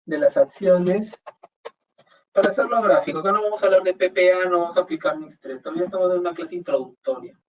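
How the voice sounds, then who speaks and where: Talking fast in a high voice, a male instructor explains accounting step by step in an online class and asks rhetorical questions along the way. The audio sounds dull and distant, with slight hiss.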